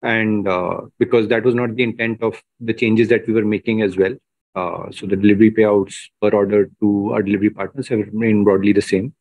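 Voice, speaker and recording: A man speaking as a company executive, explaining results in a measured way on an earnings call. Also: on the low side, fairly even intonation, darkish tone, no echo, highs cut off. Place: conference call.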